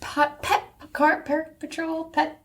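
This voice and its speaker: A woman's voice: high-pitched, flat delivery, vocal fry, fairly bright tone. A woman in her thirties co-hosting a podcast, reacting eagerly and chatting casually about her family. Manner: enthusiastic, quick to react. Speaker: podcast co-host. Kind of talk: casual chat.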